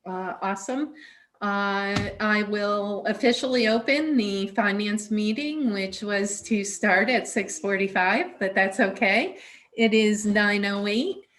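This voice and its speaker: A woman's voice: mid-range voice, slow pace, fairly bright tone, a little hiss or hum. A woman chairing a council meeting over a video call, friendly and informal, with fillers like uh.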